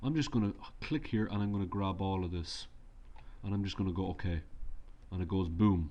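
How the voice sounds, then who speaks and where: This man talks at a fairly low pitch with ordinary pitch variation. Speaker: college instructor. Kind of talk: tutorial. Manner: fast; halting, many fillers.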